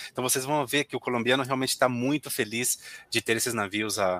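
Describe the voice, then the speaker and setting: A man's voice carries a bright, sharp tone. The sound is dry and close, with no echo. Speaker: cruise line sales representative. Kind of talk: webinar presentation.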